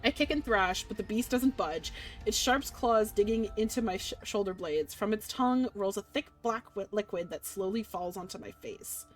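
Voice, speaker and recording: A young woman reading a dark visual novel aloud in dramatic first person, breaking off for giggly asides. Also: medium pitch, normal speed, soft background music. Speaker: streamer playing a game.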